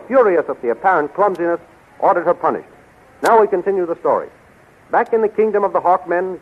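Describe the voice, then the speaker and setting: A man announcing and narrating a 1930s radio adventure serial in a dramatic, declamatory scripted style. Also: sits high. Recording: scratchy, tinny 1930s radio recording.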